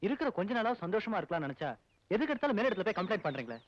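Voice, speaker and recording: A man's voice: high-pitched, sing-song, very fast, no room sound. An actor playing a bold young male college student and leader of his friends, speaking firmly and directly. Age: young adult. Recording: dull old film soundtrack with music.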